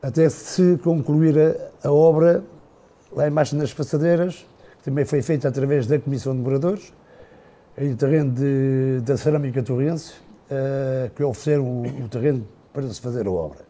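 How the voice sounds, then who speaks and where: Older man with a gravelly, dark voice. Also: mid-range voice, fairly even intonation. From Portugal. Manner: unhurried, halting, with many restarts and fillers. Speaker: guest. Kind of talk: casual reminiscing.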